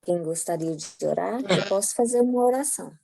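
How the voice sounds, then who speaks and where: A woman's voice: mid-range voice, animated, brisk, creaky, mellow, slight background noise. A woman with a Brazilian accent speaking informally in a devotional meeting as a prayer leader. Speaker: prayer meeting participant leading prayer.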